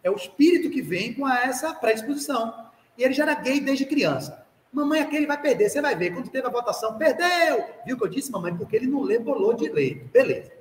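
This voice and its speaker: A Brazilian man giving a live spiritist lecture, lively and joking, who talks straight to his listeners and acts out the parents he quotes. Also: extremely high pitch, quick pace. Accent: Brazilian Portuguese. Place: spiritist center hall. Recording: echoey hall recording with light background noise.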